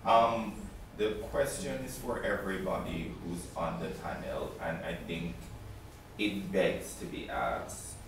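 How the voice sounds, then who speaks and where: A man's voice: low voice, animated, slow, gravelly, background noise. A man in the audience asking a probing question at a press conference. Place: press club conference room. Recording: distant, very echoey room mic.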